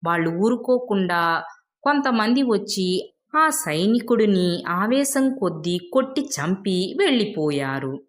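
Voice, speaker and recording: A woman's voice: mid-range voice, lively intonation, a little slow. A woman narrating a scripted moral story as a storyteller.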